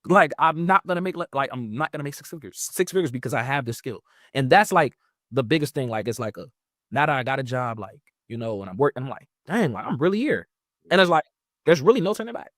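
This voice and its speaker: A man's voice: fast, no echo. Chatty young man with a dry sound. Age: 20s. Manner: rambling, heavy use of "like", lively pitch jumps. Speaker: guest. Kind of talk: casual interview chat.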